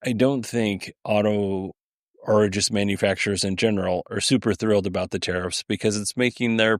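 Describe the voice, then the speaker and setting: A man's voice: fairly low pitch, no room sound, clean studio sound. A man hosting a podcast solo, giving informal, rambling commentary with an occasional chuckle in his delivery. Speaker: podcast host. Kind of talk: casual solo commentary on audio clips.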